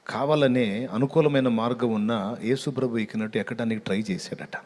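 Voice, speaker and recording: A man preaching a sermon and leading prayer in an impassioned, pleading way, moving between loud cries and hushed tones. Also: lowish voice, slight background noise. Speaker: pastor. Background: music.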